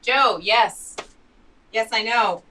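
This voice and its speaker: A woman's voice: fairly high pitch, drawn-out words, pushed and bright, distant mic, exaggerated voice. An actress playing a blunt, sardonic, exasperated woman in a comedy audio drama.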